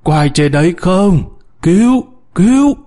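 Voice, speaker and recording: A man voicing an older male miner trapped underground, shouting and pleading. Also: mid-range voice, expressive, brisk, breathy edge. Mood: desperate.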